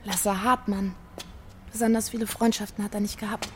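A woman playing a pensive, uneasy babysitter who talks and narrates in a low-key, hesitant, natural way in a radio drama. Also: little pitch movement, normal speed, a little hiss or hum, natural voice. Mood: sober, reflective. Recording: music under the voice. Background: music.

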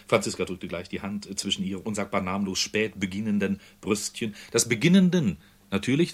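A man's voice: on the low side, breathy edge. A man reading literary prose aloud for a radio feature, acting out the dialogue as he goes. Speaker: reader.

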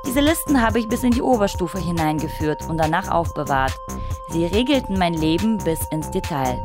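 A woman in her late twenties, from Russia, reading her own first-person essay as calm, measured, wry radio narration. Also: on the low side, loud music behind the voice. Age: late 20s.

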